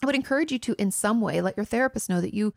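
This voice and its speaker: A woman giving casual, explanatory advice as a therapist host, speaking directly to the listener in a conversational way with animated emphasis. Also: medium pitch, racing, gravelly, dry recording, studio quality. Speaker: therapist host answering viewer questions. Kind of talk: casual explanatory advice, reading questions aloud.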